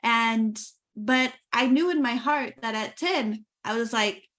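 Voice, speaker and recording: A woman's voice: a little high, slow, fairly bright tone. A woman from Oklahoma hosting an interview podcast, speaking earnestly about her own life, with frequent "like" and restarts. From USA, Oklahoma. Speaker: podcast host.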